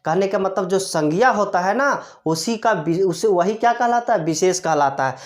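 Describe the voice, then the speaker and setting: A woman's voice: mid-range voice, expressive, normal speed. A woman grammar teacher explaining step by step, asking rhetorical questions and answering them herself, repeating each key term. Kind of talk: classroom-style explanation.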